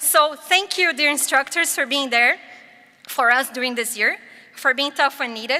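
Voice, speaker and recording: A woman's raised, projected voice in a Portuguese accent, high in pitch with ordinary variation, at a moderate pace. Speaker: graduating student. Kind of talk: graduation speech.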